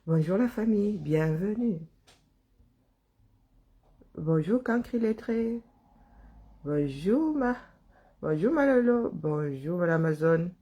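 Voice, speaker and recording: Livestream host, husky, loose rambling chat with viewers. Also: mid-range voice, lively intonation, slow, pauses often, mellow, dull audio. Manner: rambling, chuckling, stumbling over words. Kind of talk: casual live chat greeting viewers.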